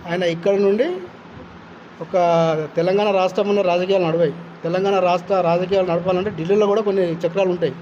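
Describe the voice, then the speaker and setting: A man, an activist giving halting opinions in an interview. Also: sits high, little pitch movement, a little mellow, dull audio, slight background noise. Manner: halting, restarts often.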